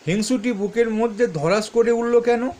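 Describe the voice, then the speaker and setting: A man's voice: extremely high pitch, moderate pace, mellow. A man teaching, reading questions aloud and answering them step by step, stopping often to correct himself. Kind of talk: explaining textbook answers.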